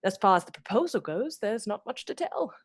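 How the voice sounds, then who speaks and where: A woman's voice: mid-range voice, very animated, fairly quick, slightly rough. An actress playing a sweet, chatty young Victorian lady in a radio play, confiding and dramatic in a girlish way. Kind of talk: radio play acting and storytelling.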